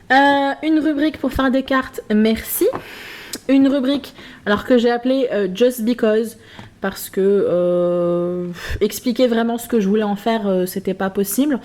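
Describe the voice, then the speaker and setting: A woman's voice: mid-range voice, a little mellow. Chatty woman, hesitant rambling vlog. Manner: self-mocking. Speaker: craft vlogger. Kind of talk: casual chat to camera. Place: home craft room. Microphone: built-in camera mic.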